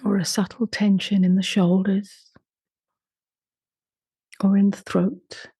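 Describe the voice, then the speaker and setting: A woman leading a guided meditation in a soft, unhurried voice that often drops to a half-whisper. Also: medium pitch, level tone, slightly rough, no echo, clean studio sound. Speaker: meditation teacher.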